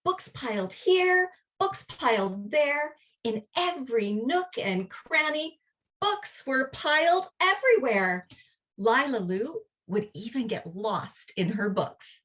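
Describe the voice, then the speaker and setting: A woman reads a picture book aloud with a highly animated, lilting delivery. Her voice is on the high side, and she takes her time, stretching words out very slowly for young listeners. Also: distant mic. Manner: animated, drawn-out, deliberate storytelling. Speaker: children's book reader.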